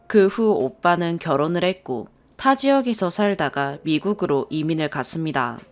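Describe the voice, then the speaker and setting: A woman narrating a first-person story in a calm, even reading voice. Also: low-pitched. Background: soft background music.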